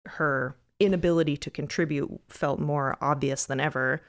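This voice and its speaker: A woman's voice: deep voice, steady tone, normal speed. A woman in a casual roundtable discussion, speaking as a panelist in a reflective, analytical way. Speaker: podcast co-creator and panelist.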